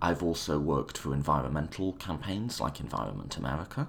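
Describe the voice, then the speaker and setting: Vocal fry runs through the voice, and the pitch varies in an ordinary way. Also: man. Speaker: podcast host. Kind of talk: solo monologue, casual recap. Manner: relaxed, conversational.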